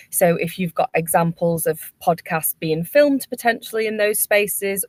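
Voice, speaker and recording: A woman with a fairly low voice and very flat intonation explains things on a professional panel. Her delivery is measured and informal, in a close, practical style. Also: no echo. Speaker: webinar panellist, workspace company representative.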